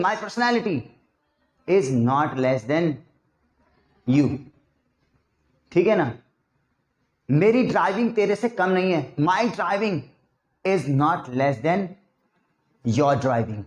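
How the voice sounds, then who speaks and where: Man, English tutor; unhurried, drawn-out delivery, repeats lines for practice. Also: sits high, roomy sound. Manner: chatty, repeats example sentences slowly for drilling. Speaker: English teacher. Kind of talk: spoken English lesson in Hindi.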